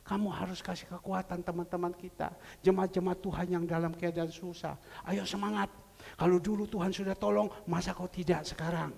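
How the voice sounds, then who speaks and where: A male pastor delivers an emotional sermon, his high, gravelly voice dropping to quiet asides and then rising to loud emphasis. The long reverb of a church hall trails behind every phrase. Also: little pitch movement, a little fast. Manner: emotional preaching, swinging from soft to loud. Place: church sanctuary.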